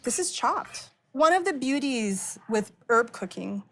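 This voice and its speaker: A middle-aged woman with an American accent, explaining a dish and telling personal stories in an expressive way as a guest cook. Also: a little high, measured pace. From born in Iran, raised in Arizona, US. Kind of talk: cooking demonstration with personal storytelling. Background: music and frying sizzle.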